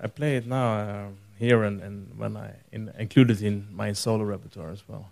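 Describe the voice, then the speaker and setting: Speaking at a moderate pace in a Swedish accent, a man with a fairly low pitch has big swings in loudness. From Sweden. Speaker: jazz pianist. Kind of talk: casual interview. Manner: halting.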